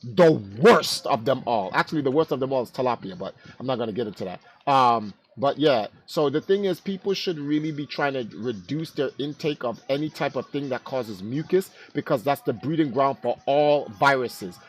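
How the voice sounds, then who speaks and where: A man's voice: medium pitch, expressive, moderate pace, few pauses. Laid-back slangy man hosting a stream. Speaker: stream host. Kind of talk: casual livestream chat.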